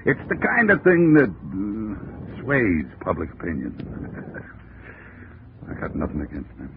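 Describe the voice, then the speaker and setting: Smooth crime boss, low and unhurried, sly, old muffled radio drama. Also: male voice, wildly swooping pitch, exaggerated voice. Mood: sly amusement. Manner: sly, chuckling, drawling. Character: smooth, amused gangster boss feigning honorable motives. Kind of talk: 1940s radio detective drama acting. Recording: muffled old radio recording, faint noise.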